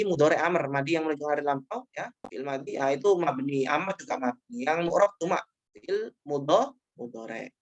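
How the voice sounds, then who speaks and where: A man teaching grammar in an online class, explaining patiently and repeating each point with short checking tags. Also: fairly high pitch.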